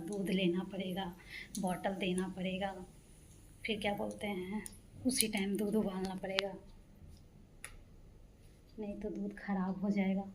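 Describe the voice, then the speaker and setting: एक युवा माँ घर पर फ़ोन कैमरे के सामने खुलकर, इधर-उधर की बातें करती हुई, बीच-बीच में भराव शब्दों के साथ।. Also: female voice, medium pitch, darkish tone, slight background noise. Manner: chatty, loose and rambling, with many fillers. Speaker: vlogger, mother of two. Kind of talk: casual vlog chat. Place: at home.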